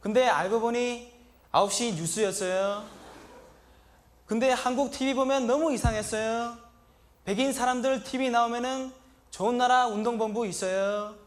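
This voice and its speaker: A naive, earnest young migrant worker with a Sri Lankan accent and a strikingly high voice. He talks in short, broken sentences in a comedy monologue and breaks into a shouted, indignant catchphrase. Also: normal speed. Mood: plaintive. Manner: broken, simple Korean sentences.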